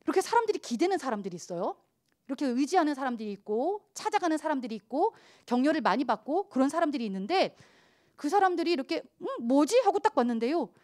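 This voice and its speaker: A middle-aged woman pastor preaching a youth sermon, animated, acting out the voices of children and church members as she goes. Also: sits high, fast talker.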